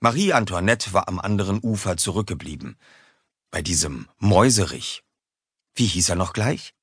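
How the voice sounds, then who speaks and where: A man reads a children's story aloud with a lively, sing-song delivery that rises and falls a lot. His voice is a touch husky, and the close studio recording is completely dry. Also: sits low, normal speed, dry recording. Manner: lively, expressive. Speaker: audiobook narrator. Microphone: close studio mic.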